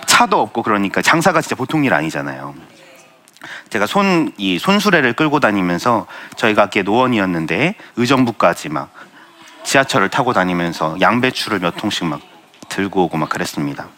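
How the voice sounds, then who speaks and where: Young male speaker, earnest testimony talk, bright tone, lively up-and-down delivery, lowish voice. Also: brisk. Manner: earnest, self-deprecating storytelling with light laughs. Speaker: Christian speaker sharing testimony.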